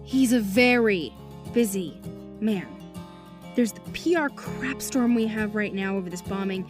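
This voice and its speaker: An actress playing a flustered, rambling aide to a senator, talking to the police. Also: female voice, medium pitch, measured pace, over music, close to an everyday voice. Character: harried female political aide, chatty and evasive. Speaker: senator's deputy. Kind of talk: audio drama acting.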